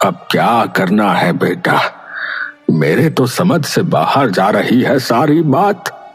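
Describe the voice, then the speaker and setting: A man playing a weary, resigned older village headman in a dramatized story, halting and fatherly. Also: on the low side, lively intonation, breathy edge, exaggerated voice. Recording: music under the voice.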